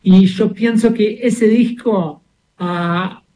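The recording is poor, but this musician's high, warm voice comes through with fairly even intonation and drawn-out words. He is a mature native Portuguese speaker from Brazil with a slight Buenos Aires Argentine tinge to his accent, fumbling for words in a relaxed interview.

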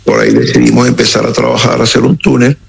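A middle-aged man from Caracas with a Venezuelan accent, speaking slowly and gravely as a radio interview guest, with frequent halting pauses. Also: mid-range voice, little pitch movement, a little hiss or hum, low-quality recording. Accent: Venezuelan Spanish. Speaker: interview guest, security operative.

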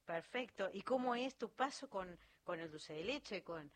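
A woman with an Argentine accent, hosting an interview and asking questions in a chatty, lively way. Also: medium pitch, unhurried. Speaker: host.

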